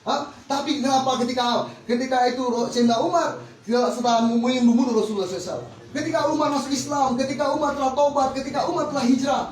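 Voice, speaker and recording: A man's voice: extremely high pitch, very fast. A man preaching a Muslim sermon, exhorting listeners with rhetorical questions. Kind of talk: religious sermon to an audience. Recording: echoey, distant mic with faint noise.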